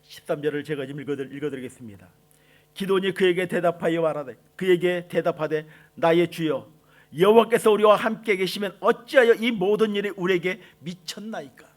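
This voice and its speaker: A man preaches a morning sermon in a strikingly high voice. He moves from soft, low passages to loud, pressing exhortation. He slows right down on the words he gives to God. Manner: swings between soft and shouted lines, quoting God with slow emphasis. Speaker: pastor. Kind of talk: impassioned sermon.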